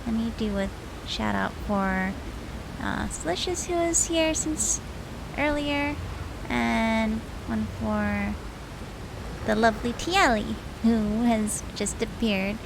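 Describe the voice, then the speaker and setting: A woman streaming a game, reacting with expressive exclamations and casual swearing while chatting with viewers. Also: a little high, slow, creaky, background noise. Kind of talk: live gameplay commentary, chatting with viewers. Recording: loud game music behind the voice.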